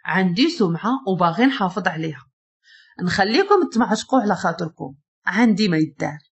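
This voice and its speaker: A woman's voice: mid-range voice, sing-song, brisk. A woman with a Moroccan accent voicing a sarcastic young man from the neighborhood who teases his friends. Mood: teasing. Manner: teasing, sarcastic.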